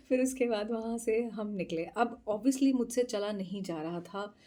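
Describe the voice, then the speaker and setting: A woman vlogger casually recounting a travel adventure, animated and laughing often, slipping English phrases into her talk. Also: fairly high pitch, slow pace. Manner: mixes English phrases into speech. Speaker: tarot channel host.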